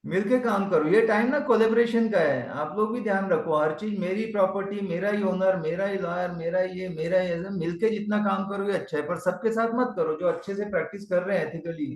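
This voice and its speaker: A man's voice: high-pitched, a little fast, hardly any pauses. A man coaching real estate agents on a video call, urging them on and repeating his points in short bursts. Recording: echoey and distant from the mic.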